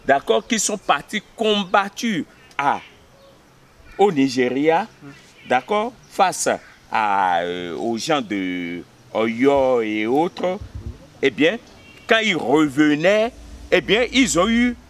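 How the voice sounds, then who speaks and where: Slow, hesitant middle-aged man outdoors. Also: fairly high pitch, animated. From Benin. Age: 50s. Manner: unhurried, hesitant fillers, checks understanding often. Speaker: history teacher. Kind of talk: interview, telling local history. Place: outdoors in a village yard. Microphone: camera at close range.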